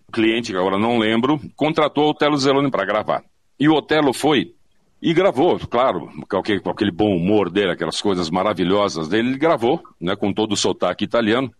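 Older brazilian guy telling stories, deepish voice that swings all over, dry close sound. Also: no echo. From São Paulo, Brazil. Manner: animated, acts out quoted speech, repeats phrases for emphasis. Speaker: interview guest, veteran of advertising audio and voice work. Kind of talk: casual anecdotal storytelling. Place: remote online conversation.

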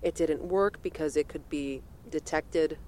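A cool, probing senator. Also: female voice, low voice, a little mellow, a little hiss or hum. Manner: measured, probing questions. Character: cool, secretive female senator interrogator. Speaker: senator questioning a witness.

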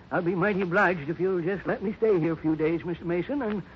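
Seeking male actor as mild old-timer: high voice, hesitant folksy delivery, vintage radio drama on a dull recording. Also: a little fast, a little hiss or hum, natural voice. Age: older. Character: folksy little old man, pleasant-faced, secretly murderous. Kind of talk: 1950s radio acting.

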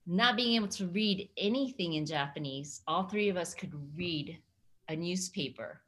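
Woman in her sixties, lowish voice. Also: normal speed, fairly bright tone. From United States. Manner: laughs often while telling stories. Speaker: interview guest. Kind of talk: casual conversational storytelling.

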